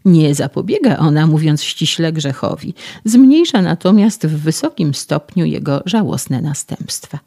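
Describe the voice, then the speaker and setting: Man reading a lecturing, patronizing doctor, dark gravelly tone, audiobook. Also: a little high, expressive, a little slow, full character voice. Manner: sermonizing, patronizing. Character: self-assured, lecturing older male physician.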